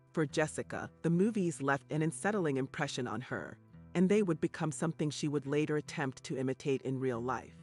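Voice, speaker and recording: A man reading scripted true crime documentary narration in a grave, measured way. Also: on the high side.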